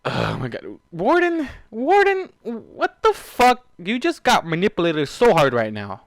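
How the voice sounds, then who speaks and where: A man's voice: high-pitched, huge pitch swings, measured pace, dry recording, clean studio sound. A man reading fan fiction aloud, moving between story narration and casual, exasperated, swearing commentary. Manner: profane, exasperated, emotionally invested asides. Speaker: fan fiction reader and reactor.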